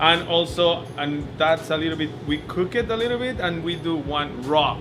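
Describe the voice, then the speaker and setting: Speaking with a Mexican accent, a man uses a fairly high pitch with ordinary pitch variation at a moderate pace. Audible room echo and noticeable background noise fill the recording. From Mexico, near Mexico City. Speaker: restaurant owner. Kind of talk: casual interview.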